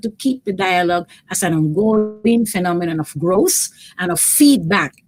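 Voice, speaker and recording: At a moderate pace, a woman with a Jamaican accent talks in a medium pitch with ordinary pitch variation. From Cuba. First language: Jamaican Patois. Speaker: retired language professor. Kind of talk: lecture.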